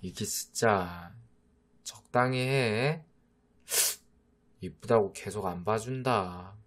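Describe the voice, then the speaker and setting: A man's voice: fairly low pitch, takes it slowly, a bit bright. A man voicing a teasing boyfriend who coaxes and mock-scolds his jealous younger girlfriend, in a whispered role-play. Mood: giving in. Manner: teasing, coaxing, mock-exasperated. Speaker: voice actor.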